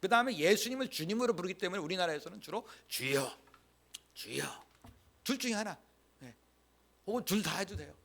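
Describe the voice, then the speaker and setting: Animated male pastor, higher voice. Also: a little fast, vocal fry, pauses often. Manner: leads the congregation in repeating lines aloud; emphatic, repeats key phrases. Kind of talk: Sunday sermon. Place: church sanctuary.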